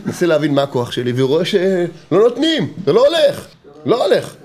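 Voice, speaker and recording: A man giving a Hasidic Torah lesson, emphatic and repetitive, with rhetorical questions and touches of humor. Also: fairly high pitch. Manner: lively, mixes in humor. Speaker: Torah teacher.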